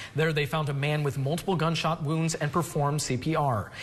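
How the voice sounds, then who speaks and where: A man talks at a fairly quick pace with a fairly high pitch. He has a plain, everyday voice. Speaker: local TV news anchor. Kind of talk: TV news anchor delivery.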